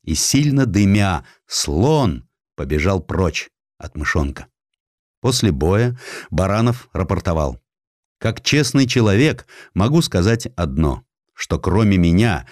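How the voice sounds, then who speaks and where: Male audiobook narrator for historical prose: low register, wide expressive range, measured dramatic emphasis, dry close recording. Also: no echo. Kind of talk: scripted literary narration of a historical essay.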